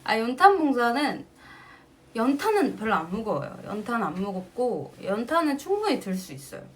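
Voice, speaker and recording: A woman's voice: a little high, moderate pace, a little hiss or hum. A woman singer casually chatting with her fans on a livestream, telling stories with frequent laughter, recorded on a phone mic. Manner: animated storytelling, often breaking into laughter. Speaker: singer hosting a fan livestream.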